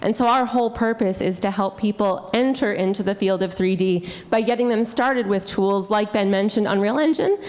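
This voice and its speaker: A woman's voice: medium pitch, normal speed, few pauses, darkish tone. A woman who leads a nonprofit, introducing herself on a conference panel with eager enthusiasm.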